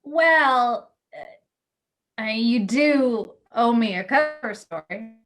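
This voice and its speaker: A woman's voice: fairly high pitch, expressive, extremely slow, a bit bright, full character voice. A woman acting in a play reading as a breezy, coaxing magazine editor. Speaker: actor in a virtual staged reading.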